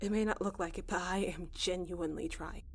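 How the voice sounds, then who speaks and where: A woman's voice: fairly even intonation, a little fast, creaky, slightly rough. A woman playing a weary, stubborn young woman spacefarer in a science fiction audio drama, blunt and sardonic. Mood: defiant, pleading. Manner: blunt, low-key.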